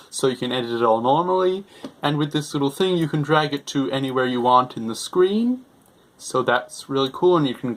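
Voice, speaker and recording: A young man hosting a software tutorial, explaining each step in simple, repetitive terms. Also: medium pitch. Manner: simple, repetitive explaining, refers to himself in third person. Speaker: tutorial host.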